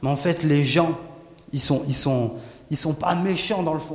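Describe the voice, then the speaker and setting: A man with a fairly high voice and an animated tone speaks at a moderate pace with ordinary pitch variation, amid audible room echo and noticeable background noise. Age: 20s. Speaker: preacher. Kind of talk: sermon. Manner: halting.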